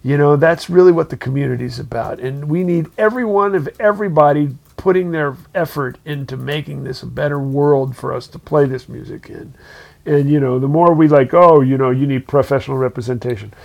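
A man with a fairly high, gravelly voice talks loosely on a podcast. He rambles and restarts, leaning on "you know" as he goes. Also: a little fast, a little mellow. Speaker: podcast co-host, working musician. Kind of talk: casual chat.

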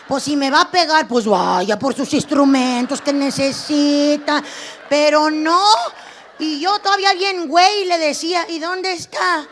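A woman's voice: high voice, unhurried, slight background noise. A middle-aged woman from northern Mexico with a northern Mexican accent, doing a brash, salty stand-up monologue and acting out scolding mothers. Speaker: stand-up comedian.

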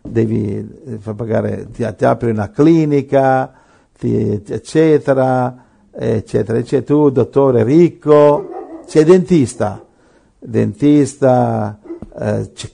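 A man's voice: mid-range voice, a little slow, vocal fry, mellow. A middle-aged man preaching on a radio program, joking and asking rhetorical questions. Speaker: pastor.

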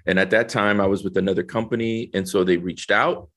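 Earnest middle-aged man, low voice. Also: steady tone, a little fast, fairly bright tone. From El Salvador. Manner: earnest, explains step by step. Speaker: guest, corporate diversity executive. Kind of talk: conversational interview.

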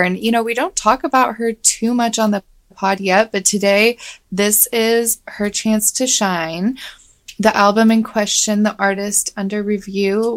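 A young adult woman hosting a podcast, casual and joking, with a fairly monotone voice and vocal fry. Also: medium pitch. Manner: casual, joking, swears freely. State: tired. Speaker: podcast host.

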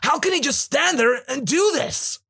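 A man voicing an earnest young male fighter who talks in a high, pleading voice. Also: animated, moderate pace, gravelly, sharp tone, heavily acted. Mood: horrified.

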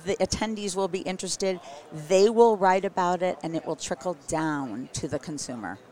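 A woman's voice: fairly low pitch, moderate pace, mellow. A woman with a scratchy, worn voice, a summit producer chatting as an interview guest at a trade show, rambling with many ums and restarts. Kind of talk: casual interview chat.

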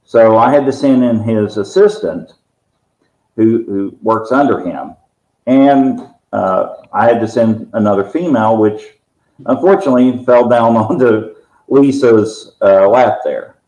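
A man's voice: fairly low pitch, measured pace, a little mellow. Man in an echoey room. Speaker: paranormal team leader. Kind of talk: casual podcast conversation.

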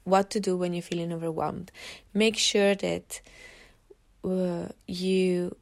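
Woman, Italian accent, lower-pitched voice, encouraging podcast host, halting with fillers. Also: flat delivery. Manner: earnest, encouraging, with frequent fillers and restarts. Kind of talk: solo podcast advice talk.

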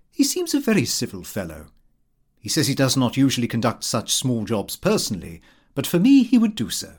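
British man reading with very lively intonation. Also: mid-range voice, slightly rough. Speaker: audiobook reader. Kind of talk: scripted narration of a comic fictional diary, read in character as the diarist.

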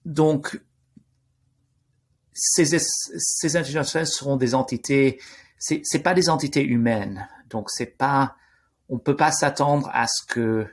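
A man with a foreign accent, not a native French speaker, explaining unscripted in an interview, haltingly, often searching for words and rephrasing. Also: mid-range voice, slightly rough. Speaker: interview guest, AI risk expert.

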